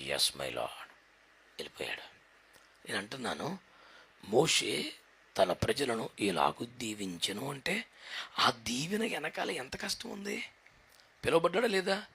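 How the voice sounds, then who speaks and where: A man's voice: mid-range voice, sing-song, a little slow, pauses often, pushed and bright, slightly rough. A man preaching a sermon, building up with rhythmic repeated questions and a Telugu accent. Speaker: pastor.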